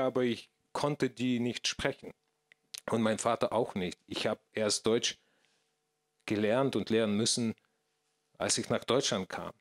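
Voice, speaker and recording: Hesitant man with a Russian accent. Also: mid-range voice. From former Soviet Union. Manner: hesitant, searching for words, many restarts. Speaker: actor and panel guest. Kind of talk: panel discussion. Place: stage in a small theater, indoors. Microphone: handheld microphone.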